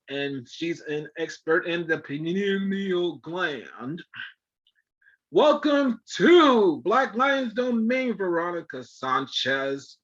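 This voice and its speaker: A man's voice: sits high, a bit bright, muffled recording. A man hosting an interview show, talking in an effusive, affectionate and rambling way. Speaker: podcast host. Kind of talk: casual interview chat.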